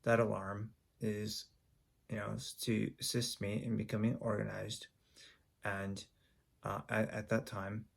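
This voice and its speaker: A man recounts a personal story for his video channel. His voice sits low with a gravelly texture, and he speaks in a flat, even tone. His delivery is halting, full of ums and restarts. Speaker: YouTuber.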